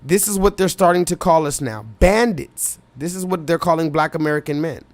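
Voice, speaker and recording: Speaking fairly quickly in a voice on the high side, this man is recorded with no room sound. As host of a live reaction stream, he reads out comments and addresses his chat directly, urgent and insistent, saying the same things again and again.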